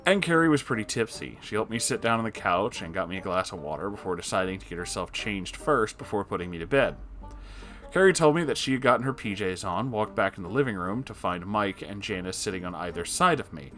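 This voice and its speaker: A man with a fairly low voice hosts a story reading over faint music. He moves between narration and his own commentary. His asides are sarcastic and exasperated, delivered expressively. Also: lively intonation, a little fast, fairly bright tone. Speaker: host reading and reacting to online stories.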